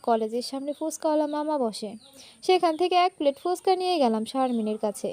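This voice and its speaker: A woman with a high voice reading a short story aloud. She narrates in a lively, conversational way, like a storyteller sharing a tale with listeners. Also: fairly quick.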